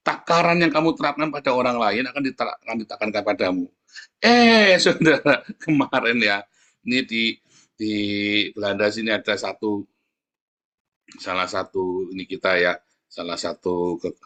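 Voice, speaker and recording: A man from Indonesia with a Javanese Tegal accent, preaching a sermon in a chatty storytelling way. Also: normal speed. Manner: animated storytelling, jumps up into high mimicking voices.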